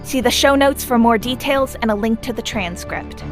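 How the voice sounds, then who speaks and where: A woman's voice: on the high side, moderate pace, music in the background. A woman announcer reading a scripted content warning for an audio drama.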